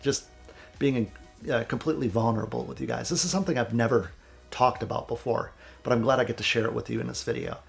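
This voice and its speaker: Raspy, stuffy-nosed man with gravelly voice. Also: medium pitch, fast talker, faint music behind. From central Wisconsin. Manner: earnest, motivational, candid. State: sick with a cold, stuffy nose. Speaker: music producer and YouTuber. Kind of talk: vlog advice talk to camera.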